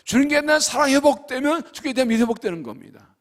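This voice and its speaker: A middle-aged male pastor preaching a sermon, swinging between loud exhortation and hushed asides as he acts out dialogue. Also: very high voice, animated, racing. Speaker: senior pastor. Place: church sanctuary. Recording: long hall reverb.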